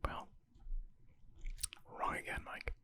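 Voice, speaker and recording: A man whispering in a breathy, unvoiced ASMR style, reading aloud and adding informal, thinking-aloud asides. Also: slow pace, sharp tone. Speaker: ASMR creator reading and answering medical exam questions.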